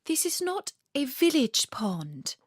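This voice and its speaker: A woman's voice: sits high, big pitch swings, slow pace, no room sound, clean studio sound, voice pushed up, exaggerated voice. A woman voicing an imperious, pompous female black swan in a children's storybook. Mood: haughty, scornful.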